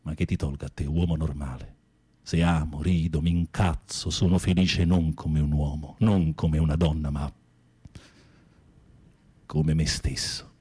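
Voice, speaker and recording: An actor playing a flamboyant gay male prisoner in a radio drama, a theatrical wounded romantic with a husky, breathy voice. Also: very deep voice, steady tone, unhurried, a little mellow, full character voice. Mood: bitter, confessional. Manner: theatrical, swinging from confiding murmurs to camp exclamations.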